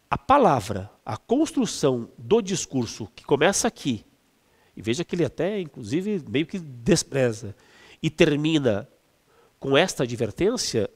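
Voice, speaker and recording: Man teaching a lesson, lively up-and-down pitch, stretches words for stress, long reverberant room. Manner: explanatory, with frequent fillers and restarts. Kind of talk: exam-prep lesson.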